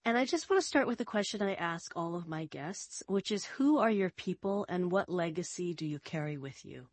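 A woman hosting a radio interview show, friendly and measured as she introduces guests and asks questions. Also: fairly low pitch, lively intonation, dry recording. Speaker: radio host.

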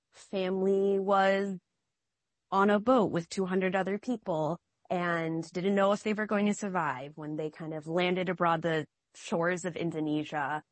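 A young adult woman from Minnesota, answering interview questions in a slow, reflective, earnest way. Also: fairly low pitch, no echo. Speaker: guest, artist.

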